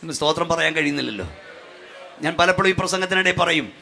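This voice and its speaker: A middle-aged man from Kerala preaching a fervent sermon to a night church gathering, at times rising to shouts and urging the crowd to clap and praise. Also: a little high, quick pace, creaky. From Kerala, India. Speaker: pastor. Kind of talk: Malayalam Pentecostal sermon.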